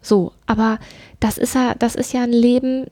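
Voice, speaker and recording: A woman's voice: fairly high pitch, flat delivery, normal speed, darkish tone, no echo, clean studio sound. A middle-aged woman in a casual discussion, speaking emphatically, repeating phrases and asking rhetorical questions. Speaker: podcast co-host.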